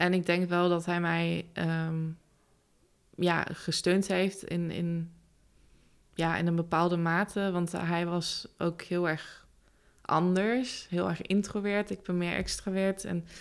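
Delivered very slowly in a flat monotone with long, frequent pauses, the speech sits on a very clean recording with a silent background. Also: woman, fairly low pitch for a woman. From Germany. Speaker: podcast guest talking about her dating life. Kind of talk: casual interview. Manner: hesitant, many fillers.

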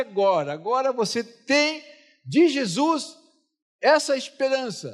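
At a very slow pace, a man speaks in an extremely high pitch. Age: 60s. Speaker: missionary preacher. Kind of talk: sermon.

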